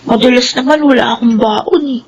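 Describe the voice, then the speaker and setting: A young actress playing a poor, dutiful schoolgirl who speaks politely and softly. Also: on the high side, a little fast, lo-fi sound, slight background noise, natural voice. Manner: polite, soft-spoken.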